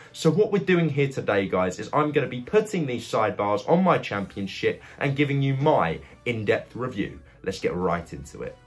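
A man's voice: medium pitch, slightly rough. Young man, casual video reviewer. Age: young adult. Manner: conversational, addresses viewers as guys. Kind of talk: casual product review to camera.

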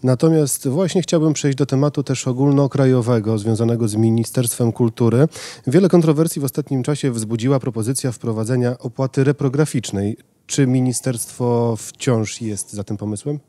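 A young man holds a mic and asks his questions in a measured way, glancing at notes. His voice is mellow and mid-pitched, heard dry and close in a small studio. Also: no echo. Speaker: radio interviewer. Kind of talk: radio studio interview. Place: small radio studio with a banner backdrop. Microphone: handheld mic.

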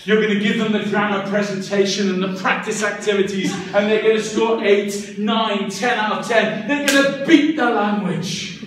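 A man in his fifties giving a live talk as a storyteller and teacher trainer, with an animated, theatrical, emphatic delivery. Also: high-pitched, moderate pace, few pauses. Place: medium-sized classroom, indoors. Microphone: distant camera microphone. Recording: echoey room, far microphone, background noise.

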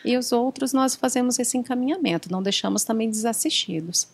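A woman's voice: a little high, a little fast, slightly rough, no room sound. A woman working as a hospital psychologist, answering interview questions in an explanatory way and often quoting patients and their families.

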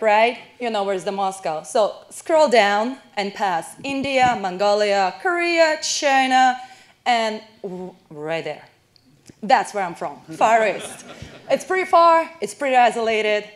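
A woman in her thirties from Russia, speaking English with a Russian accent, telling her story as an honoree in an onstage interview, lively and laughing, on a handheld mic in a university hall. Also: mid-range voice, measured pace. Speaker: hall of fame inductee. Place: university event hall with audience.

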